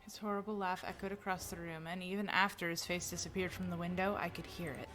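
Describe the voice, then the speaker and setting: A young woman streamer reading a game's narration aloud with expression and breaking off for quick casual comments. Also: on the low side, steady tone. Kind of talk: let's play, reading game narration aloud.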